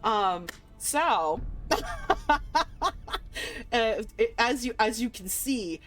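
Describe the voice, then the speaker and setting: Excitable woman livestreamer over music. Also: fairly high pitch, drawn-out words. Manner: excitable, gushing, playful; slangy, swearing. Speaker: live game streamer. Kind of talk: casual livestream chat to viewers. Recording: music behind the voice.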